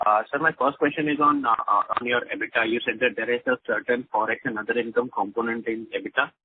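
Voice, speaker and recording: A man speaking as a financial analyst, politely and haltingly asking long questions on an earnings call. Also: medium pitch, fairly even intonation, slightly rough. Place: telephone conference call. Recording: tinny narrowband telephone line.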